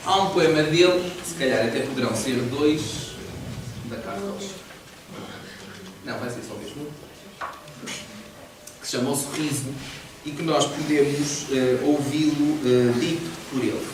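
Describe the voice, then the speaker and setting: A man teaching a poetry class, explaining with animation and frequent laughs. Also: medium pitch. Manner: lively, explanatory, laughs often. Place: large echoey library hall. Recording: echoey hall, distant mic, noisy.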